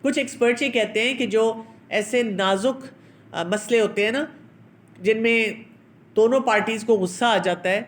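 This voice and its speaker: A woman giving parenting advice in a calm, measured, teacherly way, posing rhetorical questions and dropping in English terms. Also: fairly high pitch. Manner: mixes English terms into her speech. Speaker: parenting advisor. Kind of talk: advice talk on parental anger.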